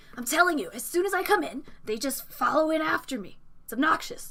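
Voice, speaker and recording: This is a put-on character voice with very wide pitch swings. It moves at a fairly quick pace. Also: woman, high pitch for a woman. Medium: actual play.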